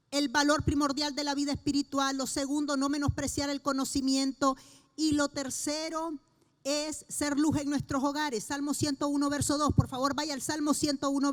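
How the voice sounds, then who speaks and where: A middle-aged woman pastor, preaching a sermon in an earnest way with slow, emphatic pauses. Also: sits high.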